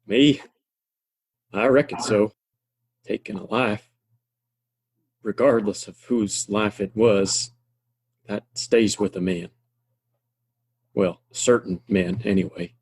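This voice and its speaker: A man's voice: on the low side, fairly even intonation, takes it slowly, long pauses, a little mellow, breathy edge. An American actor playing a kindly, wry frontier townsman in a Western audio play, with a folksy, plainspoken, reassuring drawl.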